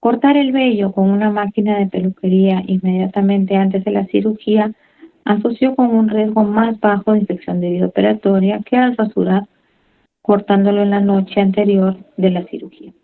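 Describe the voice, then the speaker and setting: A woman's voice: mid-range voice, fairly even intonation, normal speed, narrow, tinny audio. A woman giving a medical lecture, reading from slides and then explaining in her own words with fillers and tag questions.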